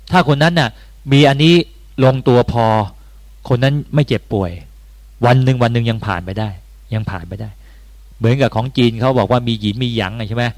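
A Buddhist monk gives a dharma talk in an easygoing, conversational way, with sudden lifts of emphasis on key points. His male voice sits in the middle range. The sound is dry and close, with no room echo. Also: medium pitch. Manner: conversational, animated, rising bursts of emphasis.

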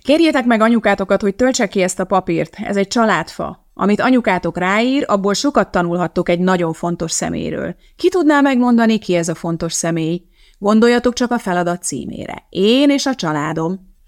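A woman's voice: medium pitch, lively intonation, lightly acted. A woman voicing a strict, irritable schoolteacher who scolds her class in an audiobook. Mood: stern. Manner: scolding, bossy.

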